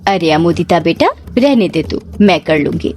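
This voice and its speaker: A woman's voice: fairly low pitch, lively intonation, normal speed, darkish tone, slight background noise, voice pushed down, natural voice. A woman voicing a kind, motherly older aunt who soothes and persuades, in a spoken horror story. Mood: gentle.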